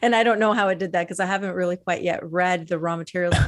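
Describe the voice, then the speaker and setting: A woman in a West Coast American accent at medium pitch, very fast pace and fairly even intonation. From US West Coast.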